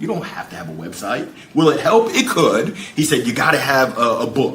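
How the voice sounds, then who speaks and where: A man with a fairly high pitch speaks in an animated tone, using very wide pitch swings. Noticeable background noise and audible room echo are present. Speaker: professional speaker and sales trainer. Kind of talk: interview conversation. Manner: high-energy, animated.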